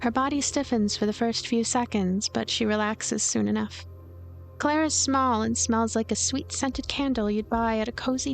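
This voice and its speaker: Woman as a cynical girl narrator, slightly high voice. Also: lightly acted. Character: cynical lonely girl narrator, blunt, scheming, quietly seething. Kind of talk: first-person visual novel narration read aloud.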